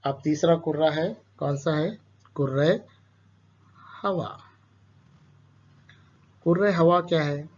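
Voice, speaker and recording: A man with an Urdu-speaking Indian accent explains a school lesson to children. He keeps asking questions and answering them himself, in a voice a little higher than most men's. The recording sounds dull and lo-fi. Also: slow pace, long pauses, a little mellow. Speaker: teacher.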